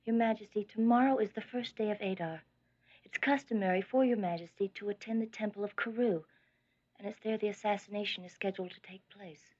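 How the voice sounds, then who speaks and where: An actress voicing a devoted, earnest young queen in an animated Bible drama, speaking in an imploring way. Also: mid-range voice, a little fast, lightly acted. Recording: dull lo-fi sound.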